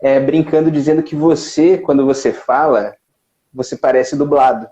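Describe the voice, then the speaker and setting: Mellow, measured male interviewer. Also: medium pitch, steady tone, dull audio. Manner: measured, reflective questions. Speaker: interview host. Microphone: live video stream.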